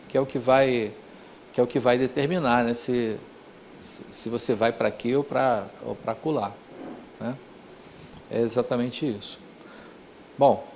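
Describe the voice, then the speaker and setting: Male teacher, slightly high voice, chatty lecturing, lots of tag questions. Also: a little mellow, a little hiss or hum. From Rio de Janeiro, Brazil. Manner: conversational, frequent "né?" tags and restarts. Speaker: course teacher. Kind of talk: informal spiritual lecture.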